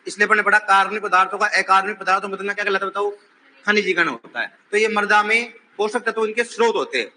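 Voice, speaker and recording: Bright, high-voiced male teacher quizzing a class. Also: quick pace, slight background noise. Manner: quizzing and teasing students; says he is shouting while teaching. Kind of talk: classroom lecture.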